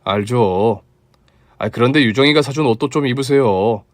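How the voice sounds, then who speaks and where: Man playing a grown son, soft, coaxing, lower voice, dry sound. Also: moderate pace, no room sound, lightly acted.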